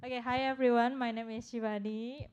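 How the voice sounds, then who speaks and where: A woman's voice: fairly high pitch, little pitch movement, a little fast, a little mellow, clear, resonant tone, muffled recording. A woman of about twenty, casually introducing a fellow participant and herself in a light, slightly unsure way. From Indonesia. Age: 20s. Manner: light, slightly unsure, stumbling over names.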